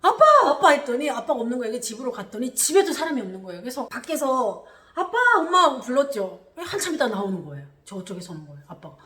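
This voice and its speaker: Woman, from North Korea, telling her defection story, lively pitch, acts out voices, echoey room. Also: fast, few pauses. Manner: acts out quoted shouts and cries, laughs while telling. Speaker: YouTuber recounting her defection. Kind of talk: animated storytelling.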